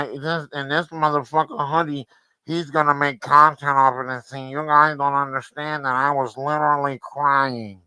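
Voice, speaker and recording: A nasal, self-pitying crybaby whines and stammers through his complaints, as a man mocks him. The voice sits low and droning. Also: sharp tone, clean tone, no echo, natural voice, rough recording. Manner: mocking, whimpering and stammering.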